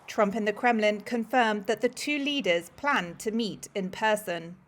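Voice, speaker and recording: A woman narrating a scripted news report in a measured, matter-of-fact way as a reporter. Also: medium pitch.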